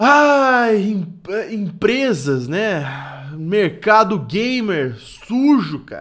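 A man with a Brazilian accent speaks very slowly, his pitch swinging very widely, against a quiet background. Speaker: gaming YouTuber. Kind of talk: angry rant about game prices, emphatic video monologue. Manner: indignant, emphatic, pleading, repeating 'mano' and 'cara'. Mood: annoyed, critical of prices. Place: home room.

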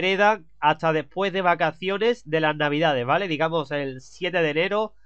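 A man talks with a Spanish accent. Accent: Peninsular Spanish. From Spain. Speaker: gaming youtuber. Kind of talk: gameplay commentary. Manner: animated.

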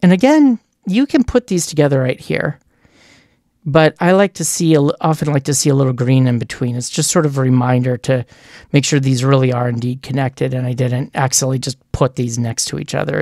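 A man mumbling at a moderate pace, medium-pitched with a dark, mellow tone and ordinary pitch variation, in a dry, close sound with no echo and a very clean recording against a silent background. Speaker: university electronics lecturer. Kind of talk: screen-capture tutorial narration. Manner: mumbling, casual, with frequent misspeaking.

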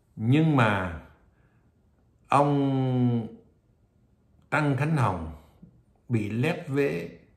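Audible room echo surrounds a man's voice. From Vietnam. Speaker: political commentator. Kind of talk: solo political commentary monologue. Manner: formal. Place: home room. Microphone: phone near.

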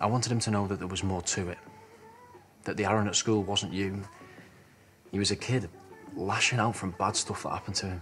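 A man with a fairly low voice, faint music in the background. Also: fairly even intonation, fairly quick pace. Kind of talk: scripted drama dialogue. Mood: earnest, explaining. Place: cafe.

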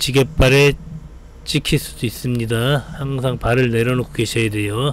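A man talks fairly slowly with fairly even intonation. The sound is dry with no echo, over light background noise. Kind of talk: commentary. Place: street.

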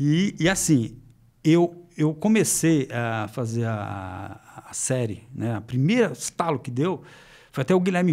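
With lively intonation, a man talks at a fairly slow pace against a quiet background. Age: 60s. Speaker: film director; guest. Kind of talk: casual chat. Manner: animated. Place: studio. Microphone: studio mic.

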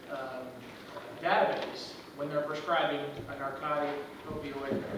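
Strong room echo and noticeable background noise surround speech delivered at a moderate pace. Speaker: pharmacist and coalition organizer. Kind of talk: meeting introduction. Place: hall. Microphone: camera far.

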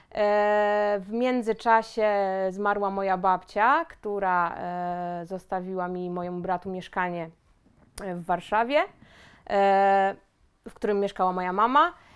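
Speaking at a very slow pace with long, frequent pauses, a woman uses ordinary pitch variation while her loudness swings widely. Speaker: interviewee. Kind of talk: interview answer. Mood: warm, light laughter. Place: home room.

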